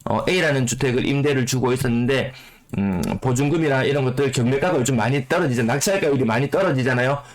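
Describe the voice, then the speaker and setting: A man whose voice is rough from a cold, explaining housing market figures and repeating key phrases for emphasis. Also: mid-range voice, fast. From South Korea. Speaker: real estate YouTuber. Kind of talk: data commentary on the housing market.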